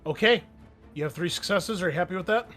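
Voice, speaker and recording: A man's voice: sits high, fast talker, fairly bright tone. Man running a tabletop game over music. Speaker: game master. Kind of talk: casual tabletop game narration.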